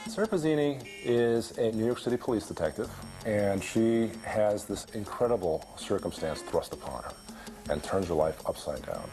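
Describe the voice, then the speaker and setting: Very deep-voiced man, music underneath. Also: expressive, normal speed, mellow. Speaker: interviewee. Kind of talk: documentary interview.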